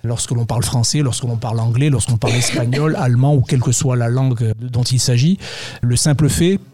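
A man who teaches English, giving measured interview answers with frequent restarts. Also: mid-range voice, a crowd in the background. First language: French and Arabic. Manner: measured, many restarts and hedges. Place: high school.

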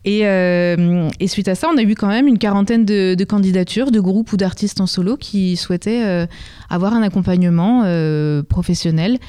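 A woman with a mellow, smooth voice speaks as an interview guest. She explains things conversationally, in a welcoming manner, at a medium pitch. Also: moderate pace. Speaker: music venue programme representative, guest.

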